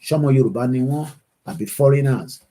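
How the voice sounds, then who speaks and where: His voice is mid-range and warm, moving a little fast. He's a Nigerian man with a Yoruba accent who hosts an online political livestream, reading viewer comments and shifting between English and Yoruba.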